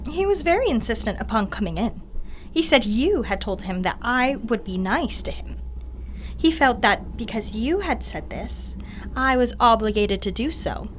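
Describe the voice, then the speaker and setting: Woman playing sweetly menacing, high-voiced ageless teenage girl. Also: slight background noise. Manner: coy, musing, unhurried menace. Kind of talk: radio play acting. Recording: music bed under the voice.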